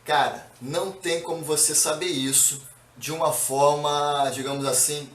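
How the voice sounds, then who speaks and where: A man's voice: a little high, fairly even intonation, a little slow. Male teacher in an echoey room. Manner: explains step by step, reading out word lists, checking in with "tá?" and "beleza?". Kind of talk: recorded video lesson. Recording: echoey room, mic at a distance.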